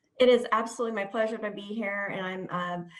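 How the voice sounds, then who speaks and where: Against noticeable background noise, a woman speaks at a fairly quick pace with medium pitch and fairly even intonation. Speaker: economic development program manager. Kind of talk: public meeting presentation. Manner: fast.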